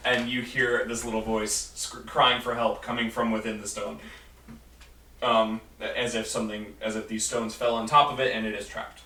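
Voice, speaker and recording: A man narrating a tabletop game as game master, halting as he searches for words. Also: lowish voice, flat delivery, pushed and bright. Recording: echoey room, distant mic, background music.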